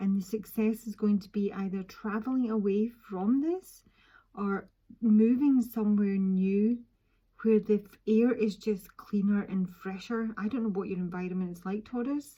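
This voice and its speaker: A somewhat breathy woman's voice of medium pitch and dark, mellow tone, with big swings in loudness. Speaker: tarot reader. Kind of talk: tarot reading monologue. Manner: fast; hesitant with fillers.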